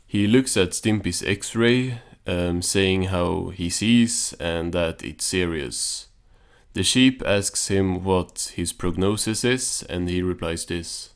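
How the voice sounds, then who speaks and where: Male recap narrator, low register, casual and understated, dry commentary delivery. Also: slow, clear, resonant tone. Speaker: video reviewer and narrator.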